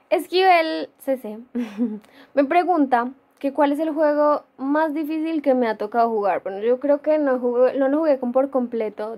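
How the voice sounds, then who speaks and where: Chatty young Colombian woman, higher voice. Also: darkish tone. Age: young adult. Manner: chatty, rambling, laughs often, many fillers. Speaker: gaming YouTuber. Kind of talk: casual Q&A vlog. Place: dim room at home.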